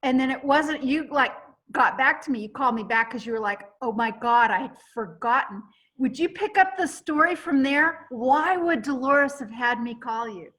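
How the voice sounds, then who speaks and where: A woman hosting a chat, telling a long story in an animated, rambling way with many restarts. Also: sits high, normal speed. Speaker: host.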